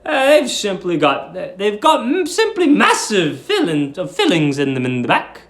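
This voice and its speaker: A man's voice: sits high, wildly swooping pitch, a little slow, fairly bright tone, voice pushed up, heavily acted. A man playing an earnest, polite seventeen-year-old lodger in a story reading, puzzled and hesitantly groping for words. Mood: awkwardly polite. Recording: roomy echo.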